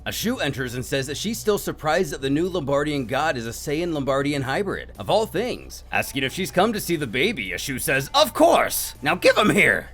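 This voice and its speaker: A man's voice: a little high, sing-song, a little fast, few pauses, fairly bright tone, faint music behind. A man narrating a dramatic fan-fiction story in the present tense, as a scripted storyteller.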